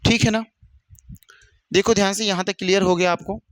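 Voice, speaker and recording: High-voiced man dictating a lesson. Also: steady tone, no room sound. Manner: repetitive, dictating notes slowly; addresses students as brother. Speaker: teacher. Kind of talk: exam-prep lesson.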